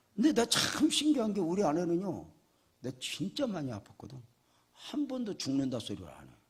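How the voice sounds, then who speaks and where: Vocal fry marks this man's speech at a moderate pace. His pitch swings very widely. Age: 60s. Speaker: pastor. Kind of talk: sermon. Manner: animated.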